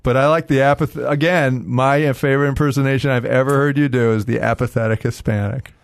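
A man co-hosting a home improvement show in casual chat, agreeable and laid-back, quick with jokes. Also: medium pitch, fairly even intonation, creaky, no echo.

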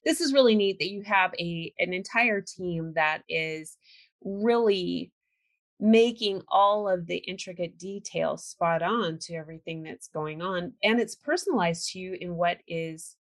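A woman's voice: lowish voice, unhurried. An American woman from California hosting an interview over a video call, chatty and upbeat with frequent laughter. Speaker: podcast host. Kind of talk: casual interview chat.

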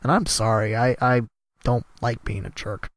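A man, hosting a solo podcast and rambling casually about announcing gigs, his voice a bit worn from a cough and trailing off quietly at the ends of thoughts. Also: medium pitch, normal speed, dry recording. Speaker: podcast host and sports announcer.

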